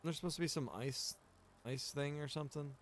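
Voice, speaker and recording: A man's voice: on the high side, fairly quick. A man chatting casually on a live game stream, rambling as he thinks aloud. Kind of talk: casual live-stream chat while gaming. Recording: clear background noise.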